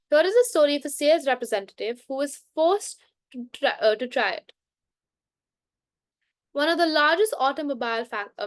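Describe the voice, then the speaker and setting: Woman, slightly high voice, reading a book aloud, frequent self-corrections, dry close sound. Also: no room sound. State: coughing now and then. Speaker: book reader. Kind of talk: unscripted bedtime book reading.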